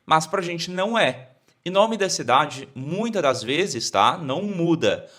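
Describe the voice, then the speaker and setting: A Brazilian English teacher with a Brazilian Portuguese accent, lively and bright in tone. He talks slowly and repeats each phrase so learners can copy it. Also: on the high side. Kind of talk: explaining an English lesson.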